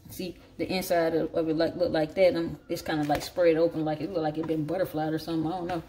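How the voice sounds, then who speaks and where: A woman's voice: deep voice, level tone, fast, mellow. A woman with a Southern African American accent chats casually and folksily, thinking aloud as she cooks in a home kitchen. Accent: Southern African American English. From southern United States. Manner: folksy, salty, thinking aloud while working. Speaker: home cook. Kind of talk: casual cooking vlog chat. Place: home kitchen, indoors at the counter. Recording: noisy home recording with clicks.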